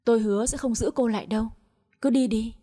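A woman's voice: fairly high pitch, fairly even intonation, fast talker, warm tone, close to an everyday voice. A woman voicing a cruel older mother-in-law who scolds with harsh contempt. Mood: scolding.

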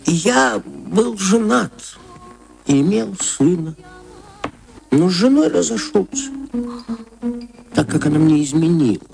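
An actor playing a lonely, bitter veterinarian who speaks slowly in an old radio play recording, with music behind. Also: male voice, high voice, expressive, creaky, exaggerated voice. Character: lonely separated male army veterinarian, bitter.

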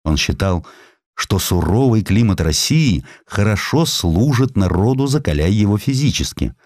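A man narrating a literary audiobook in an expressive, dramatic and emphatic storytelling manner. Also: on the low side, normal speed, dry recording, studio quality.

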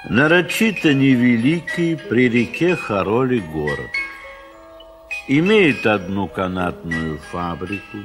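A man narrating a classic story for a 1970s audio drama, reading in a measured, expressive way with wide swells in pitch and volume. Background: instrumental music.

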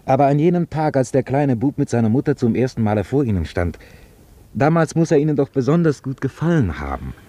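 An earnest Catholic chaplain in a radio play. His dark, husky voice swings widely in pitch. He has a probing, pastoral manner. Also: big pitch swings, a little fast, dry recording. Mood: gently probing.

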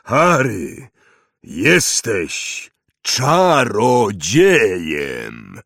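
A man voicing Hagrid, a huge, hot-tempered male half-giant in a storybook reading, booming, slow and emphatic. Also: huge pitch swings, a bit bright, no room sound, clean studio sound, exaggerated voice. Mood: angry.

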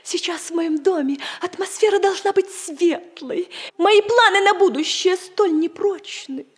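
An actress playing a flustered, excitable widowed mother who hopes to marry a third time, in a theatrical 1960s radio comedy style. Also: very high voice, a little slow. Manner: theatrical, laughing, exclamatory.

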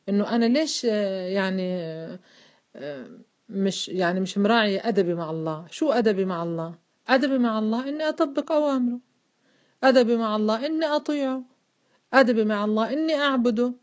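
Fast-talking woman teaching religion. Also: mid-range voice, a little mellow. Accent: Levantine Arabic. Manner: fast, conversational, often asks listeners if they follow. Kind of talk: informal religious lesson to women. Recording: dull lo-fi recording.

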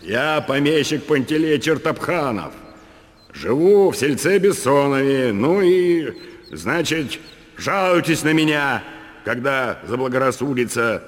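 A man's voice: medium pitch, animated, a little slow, in a large hall, voice pushed up, close to an everyday voice. A man voicing a proud, hot-tempered male landowner who barks curt commands. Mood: angry.

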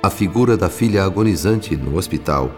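A man's voice: low-pitched, animated, brisk. A man with a Brazilian accent narrating a radio soap opera in a dramatic, scripted style. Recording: long reverb, music behind.

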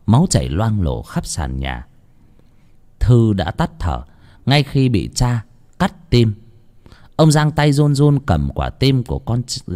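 Male horror storyteller, dramatic and animated delivery. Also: on the low side. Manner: lively, dramatic reading.

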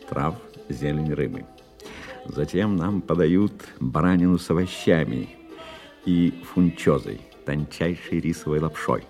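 A pompous, jovial gourmand businessman with a very low voice. He speaks slowly and floridly, savouring every word in radio-play fashion, with music underneath. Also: a little mellow. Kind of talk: Russian audio drama acting.

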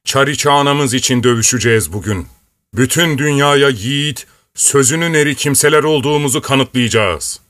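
A man's voice: medium pitch, moderate pace, a bit bright, no room sound, pitched above the performer's own voice, lightly acted. A man voicing an aging fort commander who gives fatherly, stern orders to his troops and family in a dry-sounding audiobook reading. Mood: rallying. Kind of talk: audiobook character voice.

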